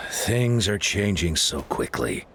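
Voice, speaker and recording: An actor voicing a grave, dignified tribal leader in a video game, formal and deliberate. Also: male voice, deep voice, expressive, sharp tone, a little hiss or hum, heavily acted. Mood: grave, worried.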